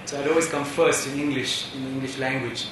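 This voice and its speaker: A man's voice: medium pitch, level tone, brisk. A man from India telling a wry personal story on a conference panel. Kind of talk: anecdotal speech. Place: large conference hall. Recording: echoey hall, distant mic, background hiss.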